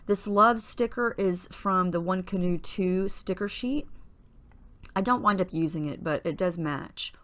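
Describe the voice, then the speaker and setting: A woman in a husky morning voice, chatting casually through a voice-over of her scrapbooking process, relaxed, with small fillers and restarts. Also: fairly low pitch, measured pace. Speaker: scrapbooking tutorial host.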